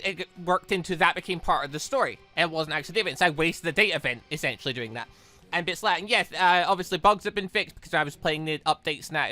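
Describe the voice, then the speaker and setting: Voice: medium pitch, sharp tone. A gaming YouTuber giving casual, rambling let's play commentary in a chatty way.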